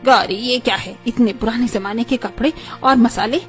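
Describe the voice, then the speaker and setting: A woman's voice: a little high, moderate pace, soft background music, lightly acted. A woman doing a snobbish, irritated modern mother-in-law. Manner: sharp, dismissive.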